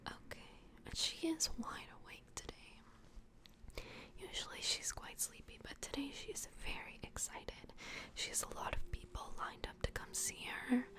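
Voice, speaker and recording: High-pitched whispering woman, ASMR roleplay. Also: huge pitch swings. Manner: gentle, hushed, reassuring, unhurried explaining. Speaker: ASMR roleplay host playing a plush toy adoption worker. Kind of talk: soft-spoken whispered ASMR personal-attention roleplay.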